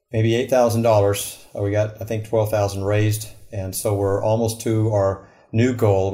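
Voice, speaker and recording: Christian radio host, male, low and mellow, halting delivery with frequent fillers. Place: radio studio.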